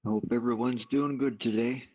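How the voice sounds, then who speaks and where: A man's voice: mid-range voice, fairly even intonation, normal speed, a little mellow. A man chatting casually in a tentative, noncommittal way as a show participant. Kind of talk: casual chat. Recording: dull lo-fi radio-app audio.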